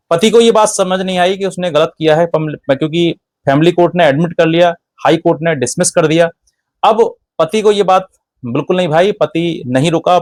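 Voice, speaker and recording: Higher-pitched man explaining law. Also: a little mellow, no echo. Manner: instructive, emphatic, repeats and lists points. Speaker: legal advice presenter. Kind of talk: explanatory legal talk addressed to viewers.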